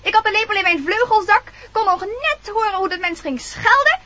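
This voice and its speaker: A woman's voice: very high-pitched, expressive, brisk, pushed and bright, full character voice. A woman voicing an indignant, thieving forest bird in a radio play, quarrelsome and whining in protest. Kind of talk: Dutch radio play acting. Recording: dull radio recording, faint noise.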